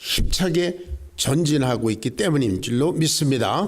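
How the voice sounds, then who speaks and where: Very slow, lively speech from a man with a fairly high pitch, with audible room echo. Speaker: retired pastor. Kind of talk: sermon. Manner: frequent filler sounds, halting.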